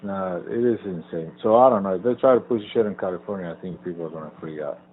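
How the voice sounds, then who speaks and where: A man in casual chat, talking in a profane, animated rant that trails off and picks back up. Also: low voice, fast, breathy edge. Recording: tinny phone-like sound.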